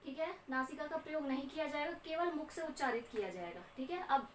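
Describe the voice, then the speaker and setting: A young woman with a high voice gives a slow, repetitive grammar lecture, checking in with her students again and again. She is recorded from across an echoey room, with a faint hum behind her. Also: recorded from a distance. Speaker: Hindi grammar teacher. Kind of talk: classroom lecture.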